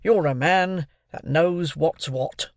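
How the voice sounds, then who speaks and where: A bluff army sergeant from an old storybook, brisk and commanding, then hearty over a glass, as a male narrator puts him on. The voice sits a touch high and loud, in a dry, close recording. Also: no echo. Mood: jovial.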